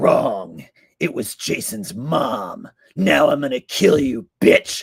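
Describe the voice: In a put-on character voice, a man speaks very slowly at a fairly high pitch with a menacing tone.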